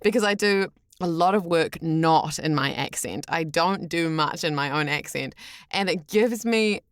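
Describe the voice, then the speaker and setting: Low-pitched New Zealand woman, chatty. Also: measured pace, dry recording, clean studio sound. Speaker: voice actor, podcast guest. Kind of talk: casual interview chat.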